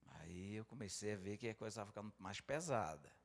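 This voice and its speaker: A man's voice: fairly low pitch, quick pace, vocal fry, long reverb tail. A middle-aged man, a pastor and councilman, telling a story with laughter and acted-out dialogue. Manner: animated, laughing storyteller who acts out dialogue.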